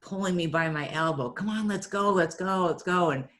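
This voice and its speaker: Her fairly low, fairly bright voice moves at a moderate pace as the middle-aged Ohio marketing business owner chats through stories in an interview. She frequently repeats a word while restarting.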